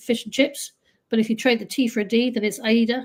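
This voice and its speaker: A woman speaks with a British accent at a fairly quick pace. Her pitch is fairly high. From UK. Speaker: singer-songwriter. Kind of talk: interview.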